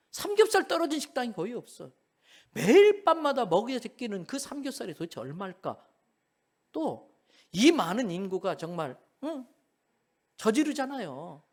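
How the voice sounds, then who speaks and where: A middle-aged male pastor giving a sermon, building to emphatic declarations. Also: very high-pitched. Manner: animated preaching, rising to emphatic declarations. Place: church sanctuary.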